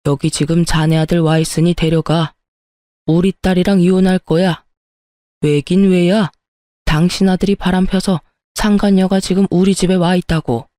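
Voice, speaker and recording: A woman's voice: lowish voice, steady tone, moderate pace, warm tone, dry recording, natural voice. A woman doing an exasperated older father. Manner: curt, exasperated. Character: irate older man, the narrator's father.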